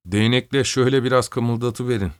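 A man's voice: medium pitch, steady tone, fairly quick, clear, resonant tone, no room sound, clean studio sound, close to an everyday voice. A man voicing a cheeky young male servant in an audiobook, brash and teasing. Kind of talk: audiobook character voice.

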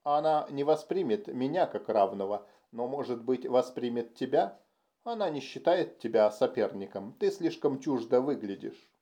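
A tired, wry human adventurer, played by a man reading an audiobook talks in a glum, self-deprecating way. The voice is warm and mellow, pitched close to the narrator's own. It is an everyday man's voice in a science-fiction storybook. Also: expressive, moderate pace, natural voice. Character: weary, wry human adventurer, male, middle-aged. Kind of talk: audiobook character voice.

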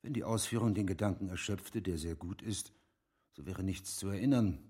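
Army captain, radio drama: low, husky, practical and candid, measured delivery. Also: male voice, mellow. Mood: candid, confidential. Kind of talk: German radio play acting.

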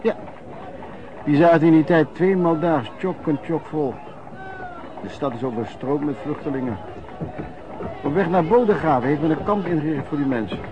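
An actor playing an old vagrant in a radio drama, reminiscing in a colloquial, halting way and repeating words. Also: male voice, on the high side, animated, close to an everyday voice. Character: old vagrant recalling wartime lodging-house life, earthy storyteller. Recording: muffled old radio recording, background noise.

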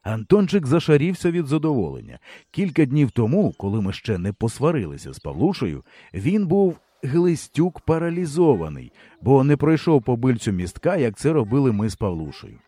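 A man narrating an audiobook in a lively storytelling manner. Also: medium pitch, moderate pace, few pauses, breathy edge, no room sound.

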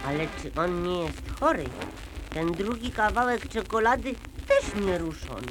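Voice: medium pitch, lively intonation, normal speed, background noise, natural voice. A performer playing a small, childlike male dragon, sensible and fussy, in a children's puppet show. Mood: worried.

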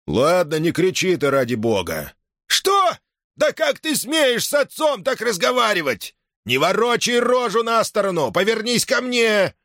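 A man voicing an irate, breathless old grandfather who shouts and scolds his grown son. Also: medium pitch, no echo, clean studio sound, voice pushed up, natural voice.

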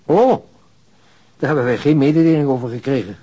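An actor playing a formal, officious male bank official in a radio play, husky. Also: mid-range voice, fairly quick, warm tone, lightly acted.

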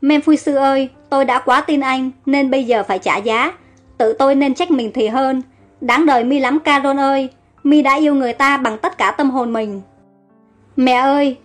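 A woman's voice: high-pitched, normal speed, soft background music, natural voice. A woman voicing a heartbroken young queen of ancient Egypt, tearful and despairing.

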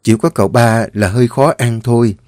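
A man voicing an older female household servant in a story, with a soft, slow manner. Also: mid-range voice, dry recording, clean studio sound, close to an everyday voice. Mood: chatty.

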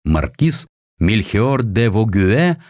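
A man's voice: fairly low pitch, slow pace, dry recording, clean studio sound. A man narrating history as a dramatized audiobook, telling it expressively. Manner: expressive storytelling with acted quotations.

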